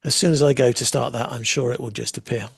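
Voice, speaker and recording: A man hosting a live software demo, chatting casually and making wry asides while he waits. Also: medium pitch, steady tone, fast talker, creaky, husky, no echo, studio quality. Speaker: livestream host demoing software.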